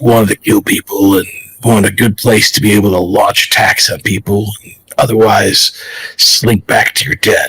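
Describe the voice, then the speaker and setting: A man puts on a raspy character voice at a medium pitch, with big swings in loudness. The sound is dry and close, with no echo. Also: moderate pace. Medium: actual play. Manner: measured, inquisitive.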